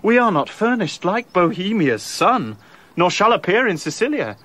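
Ardent young prince for a radio play; a touch high, passionate. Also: male voice, very animated, moderate pace, a bit bright, heavily acted. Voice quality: ardent, impassioned. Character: young male prince, ardent and anxious lover. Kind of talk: classic radio drama acting.

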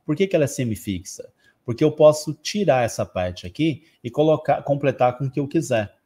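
A man from Brazil teaching an online English lesson, explaining patiently and repeating phrases slowly for practice. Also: mid-range voice, lively intonation, mellow, husky.

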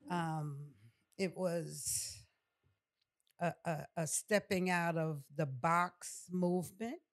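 Slow, measured older woman. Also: lowish voice. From from New York City. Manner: measured, deliberate, pausing. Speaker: podcast guest. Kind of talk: reflective conversational interview. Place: small furnished podcast studio. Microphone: close boom-arm studio mic with headset.

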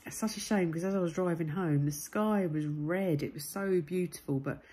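A woman in her forties with a bunged-up nose, chatting casually and warmly into her phone camera at home and in her car. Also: fairly low pitch, moderate pace, breathy edge. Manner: chatty, chirpy and warm. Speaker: vlogger. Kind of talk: casual daily vlog chat. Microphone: phone camera at arm's length.

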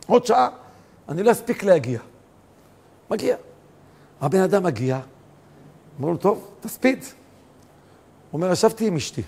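Raspy, animated rabbi preaching. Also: male voice, sits high, long pauses. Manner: dramatic storytelling, voicing characters, rising to near-shouts. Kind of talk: sermon with stories.

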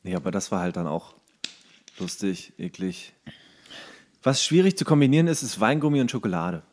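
A man's voice: on the low side, big pitch swings, moderate pace, a little mellow. A man co-hosting a podcast in casual comedic chat, talking in a crude, colloquial, jokey way. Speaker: podcast co-host.

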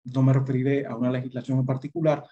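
Middle-aged male lecturer, measured and formal, dark and a little husky. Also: mid-range voice, little pitch movement. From Dominican Republic. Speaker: guest lecturer, lawyer. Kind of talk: formal webinar presentation. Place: indoor room on a video call. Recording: dull video-call audio.

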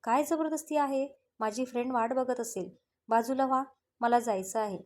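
A woman's voice: a little high, normal speed, lightly acted. A woman voicing a proud, stubborn young female doctor who answers back sharply. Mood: angry. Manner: sharp, indignant retorts.

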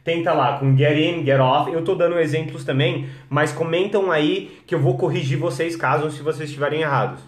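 A man with a Brazilian Portuguese accent teaching English phrasal verbs on a live stream, energetic and coaching, calling his viewers guys. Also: fairly high pitch, moderate pace, few pauses, roomy sound.

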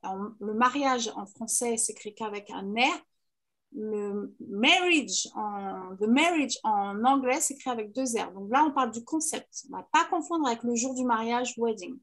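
High-voiced teacher drilling vocabulary. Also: female voice. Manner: clear, patient drilling of vocabulary. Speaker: English teacher. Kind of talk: online class lesson.

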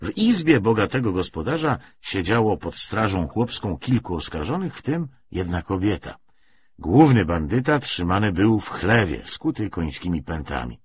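A man narrates a novel in a fairly low, husky voice. His reading of the literary prose moves expressively up and down in pitch. The audio is a little dull. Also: very animated, normal speed, slight background noise.

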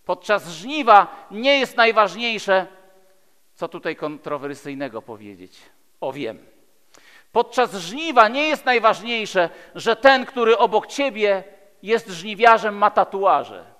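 A male preacher in his fifties delivers a sermon in a high, forceful voice that rings with long reverb in a large church hall. His delivery is emphatic and rhetorical, built on repeated phrases. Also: big pitch swings, takes it slowly. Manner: emphatic, rhetorical, with repeated phrases and dramatic swings between loud and hushed.

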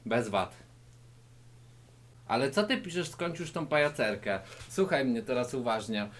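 A YouTuber gives a comedic mock martial-arts lesson to camera in a low-ceilinged indoor room, lecturing the viewer directly in a mock-serious way. His expressive, unhurried delivery swings between loud and quiet.

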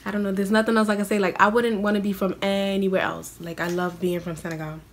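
A woman's voice: medium pitch, flat delivery, quick pace. A young woman from the US answering viewer questions to camera in a small room, blunt and casual, full of "like" fillers. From United States. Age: young adult. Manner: blunt, casual slang-heavy, many "like" fillers. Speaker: vlogger.

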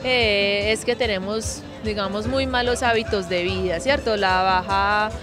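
A woman's voice: mid-range voice, steady tone, a little slow, over music. A young woman, a nutritionist explaining things in an outdoor interview with frequent hesitations. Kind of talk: news interview. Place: outdoor town square event. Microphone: handheld interview mic.

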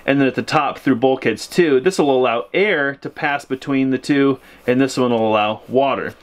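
A man in his thirties walks through his homestead's water system in a casual, step-by-step way, recorded outdoors in the snow by a camera a few feet away. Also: medium pitch. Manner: practical, plainspoken, explains step by step. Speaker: homesteading vlogger. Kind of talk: casual explainer vlog.

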